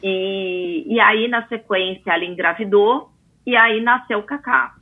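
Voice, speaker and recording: A Brazilian woman in her forties, a guest in an interview, chatting in a lively way with many asides. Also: medium pitch, measured pace. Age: 40s. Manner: chatty, animated storyteller with frequent asides. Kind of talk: casual interview talk. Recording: tinny phone-like line.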